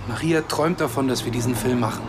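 An actor playing a Palestinian Arab man in a naturalistic radio drama, frank and measured, with dry self-irony. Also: medium pitch, over loud music, close to an everyday voice. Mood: earnest.

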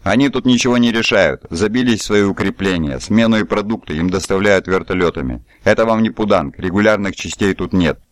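A calm, self-assured stranger speaks in an easy, disarming way, read by a deep-voiced man. The low voice sits close and dry, with no room around it, and the tone stays unhurried. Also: no echo, lightly acted.

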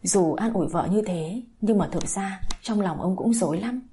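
A woman's voice: mid-range voice, moderate pace, mellow, a little hiss or hum. A woman reading a dramatic audio story, with emotive scripted narration.

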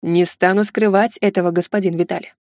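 A woman reading the part of a polite older Chinese courtier in an audiobook, in a courteous, measured tone. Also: lowish voice, fairly even intonation, a little mellow, close to an everyday voice.

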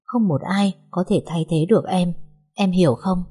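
A woman voicing a caring, troubled young husband, talking softly and reassuringly. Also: fairly low pitch, moderate pace, breathy edge. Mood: tender. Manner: soft, reassuring, hesitant.

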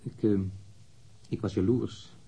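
An actor playing a blunt, candid man in his thirties, a witness answering police questions matter-of-factly in a husky voice in a radio drama. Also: lowish voice, steady tone, takes it slowly, warm tone, exaggerated voice. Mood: candid, subdued. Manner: matter-of-fact, precise, blunt. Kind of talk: radio drama interrogation acting.

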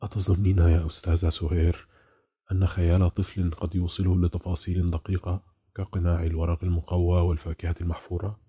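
A man voicing a troubled, bitter middle-aged caller in an audiobook, with restrained anger, in a husky, very dark, low voice. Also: flat delivery, fast talker. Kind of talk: audiobook character reading.

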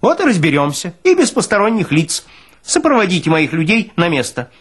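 Actor as a shrill, pompous army bureaucrat. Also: male voice, very animated, fairly quick, a bit bright, slightly rough, heavily acted. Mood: officious. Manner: pompous, shrilly indignant, peremptory. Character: fussy, pompous military medical officer, shrill bossy bureaucrat.

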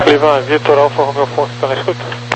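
Man, over two-way aviation radio, clipped radio phraseology, slightly high voice, faint noise. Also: flat delivery, brisk. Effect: heard over a two-way aviation radio. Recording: noisy radio transmission.

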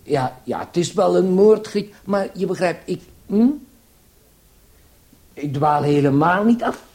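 Bumbling, excitable burglar, swooping pitch. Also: male voice, a little slow. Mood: grumbling, complaining. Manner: stammering, muttering, easily sidetracked. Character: bumbling, excitable, grumbling male burglar reporting to his boss. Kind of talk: radio play acting. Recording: noisy old radio play recording.

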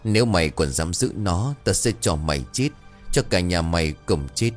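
Hoarse vengeful ghost guy, man reading him, deep and slow, a menacing voice with faint music behind. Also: expressive. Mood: threatening. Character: vengeful male ghost possessing a young woman.

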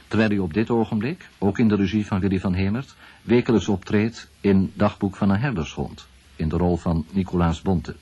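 A male radio presenter narrates in a lowish voice with a rough, husky grain. His delivery is scripted, measured and formal, in the manner of a 1970s radio documentary. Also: a little mellow, no room sound.

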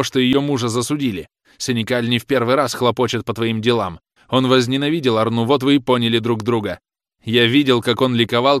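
A man's voice: mid-range voice, a bit bright, no echo, studio quality, natural voice. A man voicing a jealous, furious young man who hurls accusations at his lover in a raised, scornful voice. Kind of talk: audiobook character reading.

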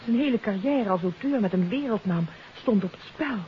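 An actress playing a troubled countess in a 1950s radio mystery, confessing earnestly and hesitantly. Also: female voice, mid-range voice, animated, brisk, lightly acted. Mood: earnest, pleading. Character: troubled countess confessing her part in a kidnapping. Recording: hissy, dull 1950s radio recording.

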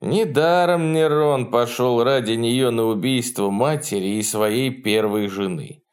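A man narrating a novel in a measured, expressive scripted reading. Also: mid-range voice. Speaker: audiobook narrator.

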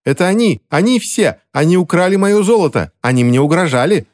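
A cowardly little leprechaun with a thin, piping voice, put on by a man reading aloud. The pitch sits far above a normal male voice and comes out in shrill, accusing bursts. It suits an audiobook fantasy figure. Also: lively intonation, fairly quick, darkish tone. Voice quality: thin high voice.

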